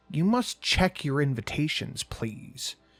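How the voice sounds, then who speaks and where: A man's croaky, put-on character voice, fairly high in pitch with very wide pitch swings, at a fairly slow pace over music in the background. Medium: read story. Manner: stern like a drill sergeant.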